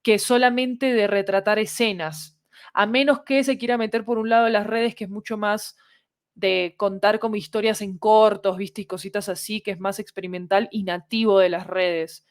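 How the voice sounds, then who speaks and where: A woman's voice: mid-range voice, steady tone, moderate pace, dry recording, studio quality. A woman, speaking as an interview guest and explaining ideas articulately, point by point. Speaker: interview guest, audio fiction creator.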